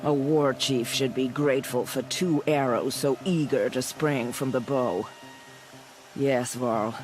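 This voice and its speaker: A woman's voice: a bass voice, steady tone, slow pace, a little mellow, faint music behind, rough recording. A woman playing a stern tribal war chief in a video game, speaking in a commanding, solemn, declamatory manner. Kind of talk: video game dramatic dialogue.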